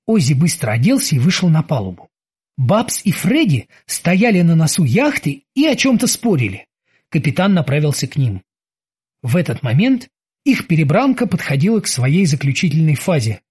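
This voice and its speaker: A man with a husky voice reading an audiobook as an animated storyteller. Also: fairly high pitch, moderate pace. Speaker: narrator. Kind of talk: audiobook narration.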